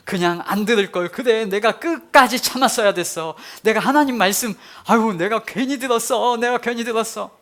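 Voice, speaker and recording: A man's voice: very high voice, big pitch swings, moderate pace, fairly bright tone, pitched above the performer's own voice, exaggerated voice. A male pastor voicing an exasperated male prophet, complaining to God in a whiny, indignant way. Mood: whining.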